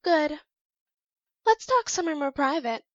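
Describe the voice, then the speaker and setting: A woman's voice: sits high, big pitch swings, unhurried, fairly bright tone, no echo, highs cut off, exaggerated voice. A woman playing a quirky, scheming mirror clone with theatrical manner in an amateur audio drama. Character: mirror-born female clone, quirky aspiring world conqueror.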